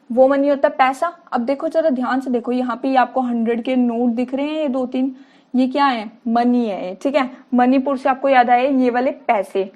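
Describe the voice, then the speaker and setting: A woman's voice: high voice, darkish tone, highs cut off. A woman teacher explaining memory tricks to students, asking questions and answering them herself while repeating key words. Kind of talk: mnemonic lesson for students.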